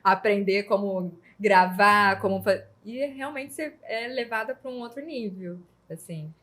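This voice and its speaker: A woman's voice: medium pitch, measured pace, a bit bright. A woman hosting a podcast, chatting casually in an open, emotional way that often breaks into laughter. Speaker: podcast host.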